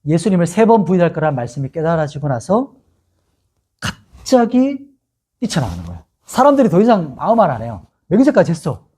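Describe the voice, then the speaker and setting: A middle-aged man from Korea's Gyeongsang region preaches a sermon and tells the story with lively swings of pitch. His voice is husky and mellow, and he acts out the lines of the people in the story. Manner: animated storytelling, acting out quoted lines. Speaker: pastor.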